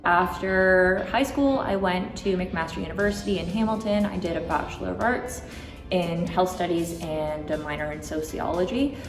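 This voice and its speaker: A woman, answering interview questions in a reflective way, often using um and like. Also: lowish voice. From Toronto, Canada. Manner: reflective, with frequent ums and likes. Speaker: interview guest. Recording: roomy hall reverb, faint music.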